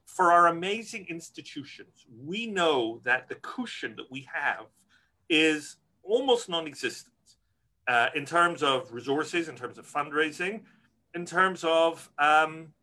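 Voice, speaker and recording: Man, rabbi, middle-aged, slightly high voice, frank, earnest. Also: sharp tone. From Scotland. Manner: earnest, frank, many restarts. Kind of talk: interview answers.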